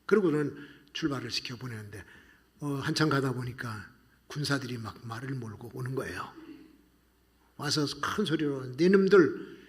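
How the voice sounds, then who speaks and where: A male pastor preaching a sermon, telling the story in an animated way that swings between loud passages and hushed ones. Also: mid-range voice, normal speed, pauses often.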